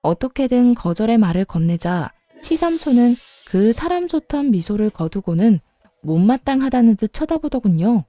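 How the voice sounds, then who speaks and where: A woman's voice: on the high side, very animated, normal speed, mellow, slight background noise. A woman narrating a first-person radio story as a daughter-in-law, in an exasperated, matter-of-fact way. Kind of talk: Korean radio story reading.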